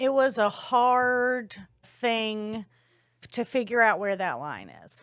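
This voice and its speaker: A loud woman's voice, fairly high in pitch with ordinary pitch variation, at a very slow pace on a very clean recording with a silent background. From Kentucky. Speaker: podcast co-host. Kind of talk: casual chat.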